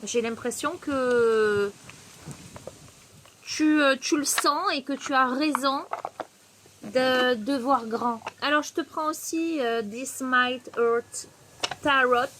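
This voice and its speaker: A woman's voice: high voice, slow, long pauses. A woman from Marseille with a southern French accent, chatting casually to the viewer while giving a tarot reading outdoors on a terrace. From Marseille, southern France. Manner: chatty, laughs often, addresses viewer directly. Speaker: tarot reader. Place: outdoor terrace on a windy day. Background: faint wind noise.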